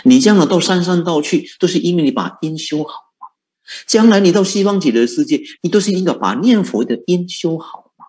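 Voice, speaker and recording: Lively, animated male Buddhist preacher. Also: a little high, a little fast. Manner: rhetorical questions, lively and coaxing, chuckles often. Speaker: Buddhist monk teaching. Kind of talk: sermon.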